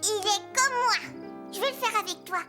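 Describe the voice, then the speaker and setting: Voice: very high-pitched, normal speed, music in the background. An actor voicing a curious, eager four-year-old boy in a children's cartoon dub, with a childlike voice.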